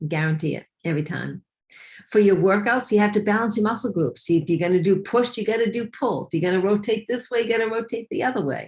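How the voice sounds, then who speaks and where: A woman speaks at a very fast pace in a somewhat breathy voice with ordinary pitch variation. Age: 60s. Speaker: fitness coach. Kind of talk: interview.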